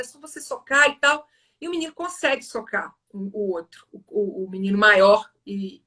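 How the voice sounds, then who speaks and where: A woman's voice: fairly high pitch, fairly bright tone, distant mic. A woman, hosting a live stream and animatedly retelling a film scene, acting out the quotes. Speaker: host of a spiritual live stream.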